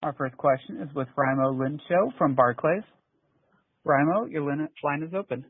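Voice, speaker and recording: A man's voice: fairly high pitch, normal speed, breathy edge, dry recording. A man working as a conference call operator, giving scripted announcements over the phone. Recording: thin, dry phone-line audio.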